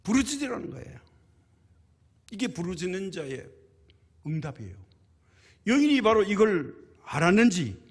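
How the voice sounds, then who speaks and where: Husky-voiced preacher in an echoing church. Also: male voice, high-pitched, big pitch swings, normal speed, pauses often. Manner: emphatic, asks rhetorical questions and answers them. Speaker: pastor. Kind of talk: sermon. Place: church sanctuary. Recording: reverberant church hall.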